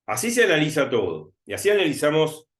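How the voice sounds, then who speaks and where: A man with a Rioplatense Spanish accent tutors through a recorded math lesson. He talks to himself as he writes, drawing out and repeating key words at an unhurried pace. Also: a little high, huge pitch swings. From Argentina. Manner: thinking aloud while writing, repeating words slowly.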